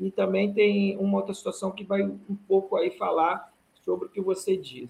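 A man is speaking. His pace is moderate. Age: 50s. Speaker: accountant and Spiritist study guest. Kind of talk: religious study discussion.

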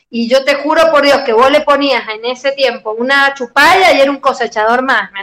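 Noticeable background noise sits behind a woman with a high pitch. She talks at a moderate pace with fairly even intonation. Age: 50s. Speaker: event producer and scriptwriter. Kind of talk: casual chat.

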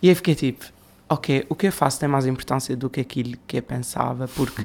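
Here a man talks in a normal speaking voice, pitched fairly high, at a moderate pace. His intonation is fairly even, and the recording is very clean with a silent background. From Azores, São Miguel (Ribeira Grande). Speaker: fashion worker and drag performer. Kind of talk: casual chat.

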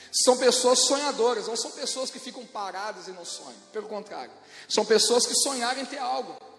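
Amid noticeable background noise and audible room echo, a man with an extremely high pitch talks at a fairly quick pace with fairly even intonation. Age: 30s. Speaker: pastor. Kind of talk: sermon.

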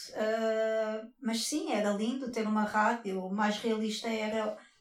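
Very slow delivery with fairly even intonation. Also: woman. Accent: European Portuguese. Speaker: podcast co-host. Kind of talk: casual chat.

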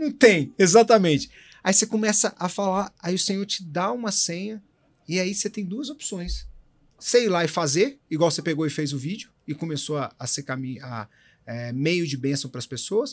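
A high-pitched male voice with very wide pitch swings at a moderate pace. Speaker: evangelist and podcast co-host. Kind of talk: casual chat.

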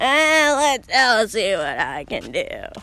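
The put-on character voice is high-pitched and sounds female. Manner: casual, offhand.

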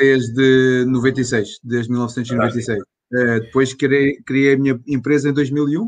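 Pitched at a medium level, a man speaks at a fairly slow pace in a monotone, flat intonation. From Portugal, Algarve (Faro). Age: 40s. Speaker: business owner. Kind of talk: interview. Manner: halting, many repeated words.

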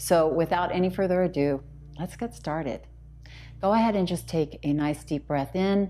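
Music plays in the background as the speaker keeps a moderate pace. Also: woman. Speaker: hypnotherapist guiding meditation. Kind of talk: guided hypnosis meditation. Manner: soft, gentle and rhythmic, repeating words like deeper and deeper.

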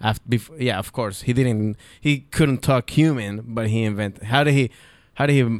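A man with a Venezuelan accent at medium pitch and moderate pace, ordinary pitch variation, on a very clean recording with a silent background. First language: Spanish. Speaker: stand-up comedian. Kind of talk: casual chat. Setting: studio.

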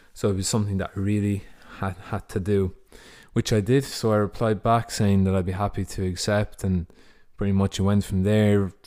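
Heard in a very clean recording with a silent background, the voice has a dark, mellow tone, a monotone, flat intonation and an Irish accent. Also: man, fairly low pitch for a man, moderate pace. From Ireland. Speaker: fitness coach and podcast host. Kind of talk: solo podcast monologue. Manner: hesitant, frequent fillers.

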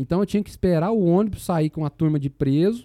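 A man talks at a fairly quick pace with lively intonation and a dark, mellow tone, in a dry, close sound with no echo. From Brazil, Goiás (Goiânia). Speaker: agribusiness entrepreneur. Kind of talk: interview storytelling. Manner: halting, many fillers.

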